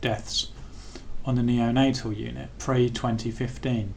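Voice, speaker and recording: A man with an English accent speaks at a medium pitch, with audible echo from the room. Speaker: commentator reading legal documents. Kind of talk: reading aloud. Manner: slow; halting.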